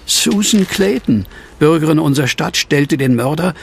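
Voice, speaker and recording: An actor playing a brooding widower who tells his horror story in an earnest, measured, reflective way in an audio drama. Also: fairly high pitch, animated, gravelly, slight background noise. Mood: urging, excited. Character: brooding widowed man haunted by a werewolf. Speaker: narrator and lead character. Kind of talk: German audio drama acting, first-person narration. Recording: music under the voice.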